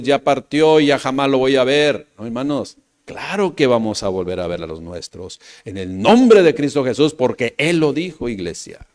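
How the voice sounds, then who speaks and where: Preaching to a congregation, this Mexican Spanish-accented pastor repeats his phrases and calls out to the brothers and to the church. His delivery moves from loud, emphatic bursts to soft, low asides.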